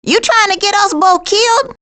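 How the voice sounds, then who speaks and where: A woman with an American accent voicing a cranky, dry-witted female skunk in an animated video game, with a sassy, sardonic and folksy manner. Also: very high-pitched, moderate pace. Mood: excited, urgent.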